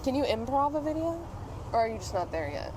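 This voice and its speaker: A woman's voice: sits high, big pitch swings, fast talker. Young American woman, noisy outdoor recording. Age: young adult. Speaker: podcast host. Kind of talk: casual podcast banter. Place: outdoors in public at a busy drive coffee stand. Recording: noisy outdoor urban drive-through ambience. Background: outdoor ambience and vehicle noise.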